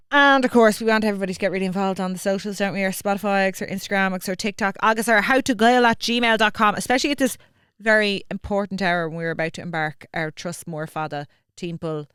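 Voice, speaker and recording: A woman's voice: mid-range voice, a bit bright, clean tone, dry recording. A woman co-hosting a podcast in casual, rambling, teasing chat on a close studio mic. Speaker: podcast co-host.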